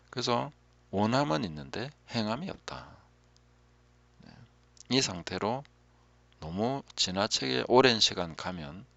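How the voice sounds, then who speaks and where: A man, a pastor, giving a calm, reflective Bible teaching talk that often drops to a hushed voice. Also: on the low side, creaky, no echo, highs cut off.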